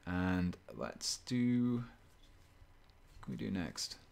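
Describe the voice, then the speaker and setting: Slow and marked by vocal fry, the streamer's low, deep voice stays even and fairly monotone. He sits at a painting desk during a casual live stream, relaxed and chatty, chuckling often as he reads chat aloud.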